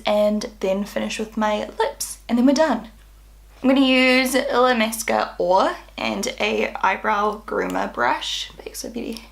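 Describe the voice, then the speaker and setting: A talkative woman vlogger walks through her makeup in a relaxed, casual chat. Her voice sits a little higher than most, and her delivery stays bubbly and friendly, with lots of "like" sprinkled in. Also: vocal fry. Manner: chatty, bubbly, peppered with "like". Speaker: beauty vlogger.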